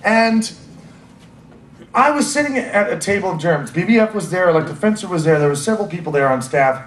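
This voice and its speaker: A man's voice: high voice, fairly quick, a little hiss or hum. A man hosting a convention panel, telling comedic stories and acting out quoted voices. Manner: animated, mimics voices in quoted dialogue. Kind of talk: comedic storytelling to a live audience. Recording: echoey room with faint ambience.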